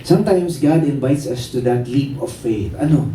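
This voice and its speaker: A Filipino-accented pastor preaching a sermon in a lively storytelling way, mixing Tagalog and English and acting out the people in his stories. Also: medium pitch, moderate pace, a little hiss or hum. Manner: storytelling, animated, acts out voices. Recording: echoey hall, voice from a distance.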